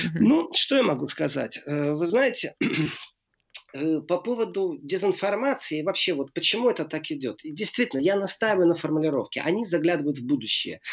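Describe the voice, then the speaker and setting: With a high voice and very wide pitch swings, a man talks at a moderate pace. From Soviet Union, Russian-speaking. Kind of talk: live radio interview. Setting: Skype call. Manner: animated.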